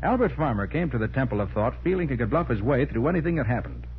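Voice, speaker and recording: An actor playing a shrewd, commanding master detective, explaining assertively and slangily in 1940s radio crime style on a muffled vintage recording. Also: male voice, medium pitch, expressive, fast, slight background noise, close to an everyday voice. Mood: confident explaining.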